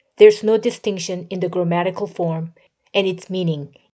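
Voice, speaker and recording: In a Korean accent, a woman with a dark, mellow tone speaks at a moderate pace and medium pitch with ordinary pitch variation. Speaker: English teaching researcher. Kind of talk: scripted narration. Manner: formal.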